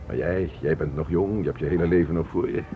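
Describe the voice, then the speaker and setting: A man's voice: very deep voice, quick pace. An actor playing a talkative middle-aged father in a radio play, insistently questioning and fussing over his son. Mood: defensive, chatty. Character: talkative, probing father eager to know his estranged son. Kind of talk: Dutch radio play acting. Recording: muffled, noisy old radio play recording.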